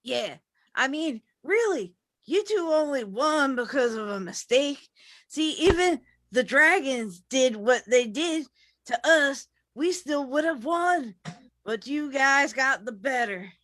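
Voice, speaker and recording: A woman's voice: sits high, animated, slow, fairly bright tone. A woman reading a wrestler's trash talk in an amateur staged reading.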